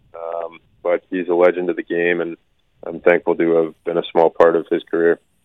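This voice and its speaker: A man talks with a very deep, low pitch. His intonation is monotone and flat. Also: moderate pace. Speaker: professional hockey player. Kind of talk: phone interview. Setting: phone call.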